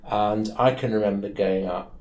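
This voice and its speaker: A man's voice: fairly low pitch, fairly even intonation, moderate pace, darkish tone, echoey room. A man in his seventies with a Manchester accent, a guest lawyer telling wry, rambling anecdotes in an interview from his office. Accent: Mancunian English. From England. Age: 70s. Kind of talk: storytelling in an interview.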